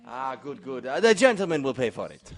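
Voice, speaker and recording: An actor playing a sly, greedy café proprietor and informer in a mystery drama, wheedling in broken English. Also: male voice, mid-range voice, big pitch swings, heavy background noise, lightly acted. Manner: wheedling, drawn-out, broken foreign phrasing. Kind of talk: radio-style mystery drama acting.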